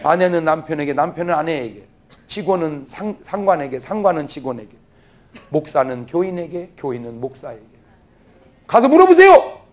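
A male pastor giving a humorous, animated revival sermon. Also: fairly high pitch, brisk. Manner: animated, joking, acts out scenes.

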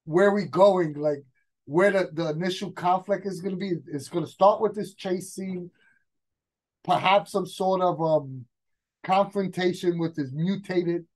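A man, brainstorming a game scenario as a guest game master in casual chat, talking excitedly with frequent restarts. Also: high voice, measured pace, poor audio.

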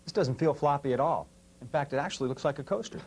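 A man's voice: fairly high pitch, fast, a little mellow, husky. An American man in his thirties co-presenting a scripted training video in a playful, folksy novice manner. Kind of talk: scripted question-and-answer dialogue. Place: indoor studio set.

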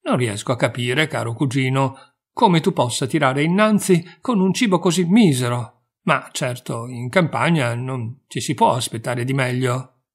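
A man's voice: medium pitch, moderate pace, breathy edge. A man reading a fable aloud and voicing a haughty male city mouse who talks down to his country cousin. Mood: condescending. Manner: condescending, showy politeness.

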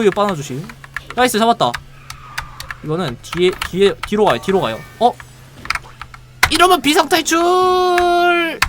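An excitable game streamer talks through a race with a lively voice that jumps up and down. The talk is playful, with quick reactions and frequent laughs. Clear keyboard typing and clicks run in the background. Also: medium pitch, background noise. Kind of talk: live gameplay commentary.

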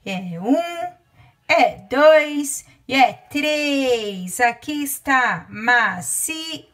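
A woman teacher from Brazil with a Brazilian Portuguese accent, dictating a word lesson to small children. Her voice sits high and sounds bright, and she speaks very slowly, counting out loud and drawing each word out. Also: animated.

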